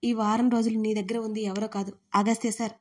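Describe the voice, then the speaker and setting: A woman's voice: a little high, flat delivery, brisk, natural voice. A woman doing a blunt scolding young friend.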